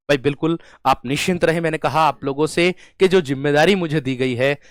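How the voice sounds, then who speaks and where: A man teaching a Hindi class, slowly repeating words, addressing students as friends, while running a fever. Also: medium pitch, dry recording, clean studio sound. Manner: slow, drawn-out repetition of words. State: has a fever. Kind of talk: online class lecture.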